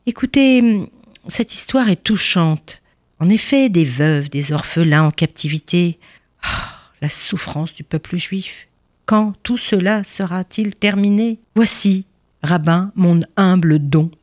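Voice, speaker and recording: A woman storyteller voicing a rich, anxious miser who speaks in a high, pleading, excitable way. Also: takes it slowly. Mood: pompous. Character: rich old miser, fussy and anxious man.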